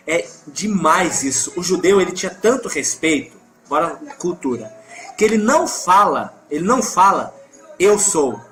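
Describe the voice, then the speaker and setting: A man's voice: a little high, a bit bright. A man with a Brazilian Portuguese accent leading a live Bible study, emphatic, reading scripture aloud and correcting himself as he goes.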